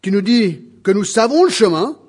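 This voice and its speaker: High-voiced man preaching expressively. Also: moderate pace, breathy edge. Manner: expressive, acts out the scripture dialogue. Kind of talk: sermon with scripture reading.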